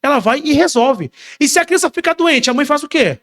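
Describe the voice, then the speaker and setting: Emphatic Carioca preacher. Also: male voice, extremely high pitch, lively intonation, a little fast. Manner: emphatic, swinging between soft and loud; repetitive exhortations. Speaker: pastor. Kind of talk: sermon.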